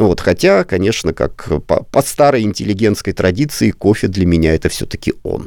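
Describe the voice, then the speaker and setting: A man with a normal speaking voice talks at a moderate pace in a fairly low pitch, with lively intonation and hardly any pauses. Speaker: radio host. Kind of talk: radio talk show. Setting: studio.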